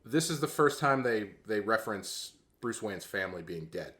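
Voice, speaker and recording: A man co-hosting a podcast in casual chat, talking in a relaxed, hesitant way with many restarts. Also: on the low side, moderate pace. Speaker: co-host.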